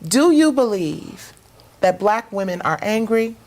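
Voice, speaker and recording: An animated woman runs a live panel talk show from a TV studio. She fills the gaps with quick affirmations and keeps pulling the conversation along. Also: medium pitch.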